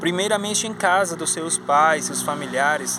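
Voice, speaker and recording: Room echo can be heard in this clip. There is noticeable background noise as well. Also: man. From Spanish-speaking country. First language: Spanish (speaking Portuguese). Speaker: language teacher and YouTuber. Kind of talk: educational vlog.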